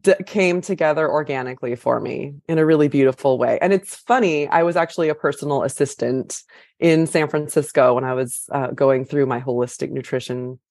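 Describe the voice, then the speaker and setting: Low-voiced chatty woman from California. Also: brisk, a little mellow, no room sound, clean studio sound. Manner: chatty, with frequent fillers and restarts. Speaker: chef and author guest. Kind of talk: casual interview conversation.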